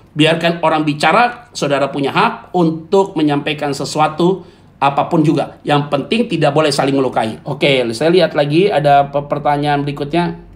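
A man talks at a moderate pace in a fairly high pitch. His tone is animated. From Indonesia. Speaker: pastor. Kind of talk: sermon. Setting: Instagram live stream. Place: home room. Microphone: phone near.

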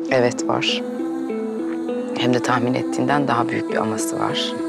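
Over loud background music, a woman talks at a fairly slow pace in a dry sound with no echo. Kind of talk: scripted drama dialogue, emotional confession. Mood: hesitant, tender, serious. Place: car.

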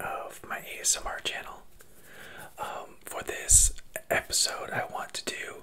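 A man is whispering. Long pauses come often. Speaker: ASMR creator. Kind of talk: ASMR fashion commentary. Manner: whispered. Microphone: studio mic.

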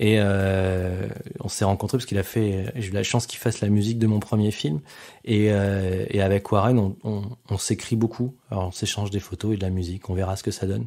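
Speaking at a fairly quick pace, a man uses a fairly low pitch, a dark, mellow tone and fairly even intonation. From France, Auvergne (Clermont-Ferrand). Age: 30s. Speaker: photographer. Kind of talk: personal monologue interview. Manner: halting, many hesitations.

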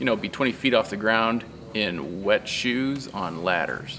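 A fairly low-pitched man talks while noticeable noise carries on in the background. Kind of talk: casual vlog chat. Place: farm machine. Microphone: phone near.

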